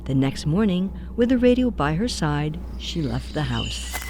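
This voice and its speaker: Woman as a slow, low-voiced granny horror storyteller. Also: very animated, heavy background noise, heavily acted. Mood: wry. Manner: deliberate, suspenseful storytelling. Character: grandmotherly horror storyteller regaling children with spooky tales. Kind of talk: radio play narration. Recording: loud music bed under the voice.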